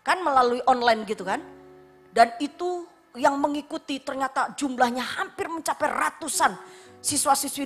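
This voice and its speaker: A middle-aged woman preaches a sermon with high, lively swings in her voice. She tells her stories in an animated way and acts out her family's voices. Faint music plays behind her. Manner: animated storytelling, acting out her daughter's voice.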